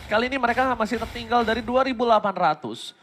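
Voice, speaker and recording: A man with an Indonesian accent doing dramatic esports play-by-play commentary, rising into shouts and mixing in English phrases. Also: very high-pitched, fast, a little hiss or hum. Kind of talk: esports caster commentary of a mobile game match.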